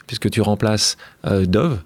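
Man, podcast host, low voice, short prompting questions, dry close sound. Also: a little slow, darkish tone, no room sound. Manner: short prompts, finishing the guest's sentences. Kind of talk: interviewer prompting.

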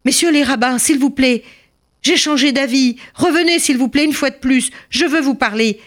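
A woman storyteller voicing a rich, anxious miser who speaks in a high, pleading, excitable way. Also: normal speed, lightly acted. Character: rich old miser, fussy and anxious man.

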